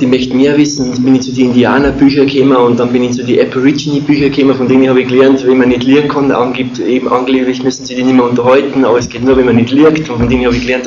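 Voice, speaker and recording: Austro-Bavarian man in a muffled, echoey recording. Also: medium pitch. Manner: rambling, halting, colloquial. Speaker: speaker telling a personal testimony. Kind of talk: informal personal storytelling. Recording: muffled, echoey room with clear noise.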